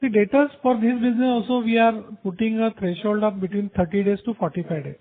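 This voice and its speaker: A man's voice: sits high, fast. An Indian-accented man, a company executive, explaining figures in answer to investor questions on an earnings call. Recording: narrow tinny conference phone line.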